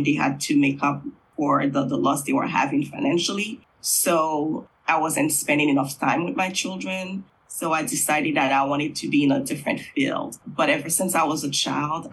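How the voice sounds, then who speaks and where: A middle-aged man from Haiti, a Creole language teacher, answering interview questions in an unhurried, thoughtful way with frequent fillers. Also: a little high, level tone, creaky, fairly bright tone, a little hiss or hum, rough recording.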